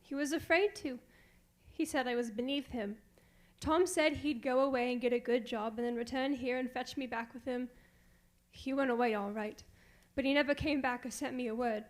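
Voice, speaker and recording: High plaintive young wife, forlorn n earnest, radio drama acting by a woman. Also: moderate pace, close to an everyday voice. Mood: hurt, forlorn. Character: forlorn young deserted bride, earnest and fragile. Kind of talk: radio mystery theatre acting.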